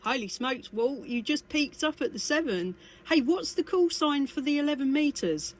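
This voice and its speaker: A woman's voice: high voice, lively intonation, moderate pace. A chatty, exclamatory woman operating a CB radio in a two-way chat. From United Kingdom. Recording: radio contact with faint static.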